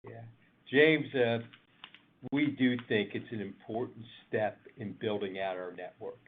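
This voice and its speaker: A man with a somewhat low voice leads an earnings call as a senior executive. He talks deliberately, breaking sentences into short pieces. The line is narrow and phone-like. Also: fairly even intonation, husky. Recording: tinny phone conference line.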